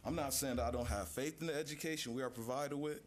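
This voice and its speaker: A teenage boy, a high school senior, giving a measured prepared speech as a student speaker. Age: teens. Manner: measured, reads list items slowly. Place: city hall chamber.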